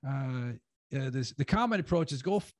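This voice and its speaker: A man's voice: mid-range voice, expressive, moderate pace, dry recording, studio quality. A man giving a casual talk on writing at an online conference, full of "like" and "you know" fillers, speaking over a video call. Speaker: guest speaker, writing teacher.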